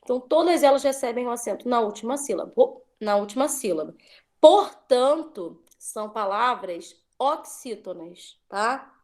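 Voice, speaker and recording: A woman's voice: fairly high pitch, expressive, moderate pace, few pauses. A woman teacher giving an online class, patiently drawing out words as she drills syllables.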